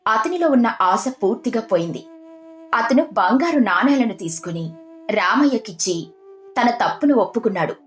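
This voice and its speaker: A woman's voice: a little high, lively intonation, moderate pace. A woman storyteller narrating a scripted tale, recorded with a roomy echo. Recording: roomy echo, music underneath.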